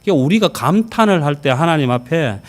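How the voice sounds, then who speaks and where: Animated male pastor preaching a sermon. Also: fairly high pitch, quick pace. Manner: emphatic preaching that swings from loud exclamations to near whispers; conversational, addressing the congregation directly. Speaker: senior pastor. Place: church sanctuary.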